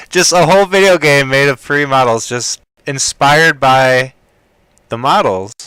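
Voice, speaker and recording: A man giving casual commentary while browsing, thinking aloud in an excitable way and often trailing off quietly. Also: mid-range voice, unhurried, clear, resonant tone, no echo, studio quality. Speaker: hobbyist game developer. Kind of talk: casual screen-recording commentary.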